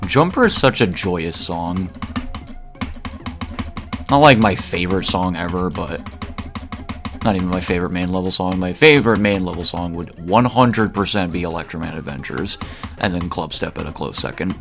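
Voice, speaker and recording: A young man talks loosely to his live-stream audience in a very low voice, trailing off and starting sentences over. Faint music plays underneath, and keyboard typing clicks behind him. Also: gravelly. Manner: rambling, halting, with repeated restarts. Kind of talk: casual live-stream chat while gaming.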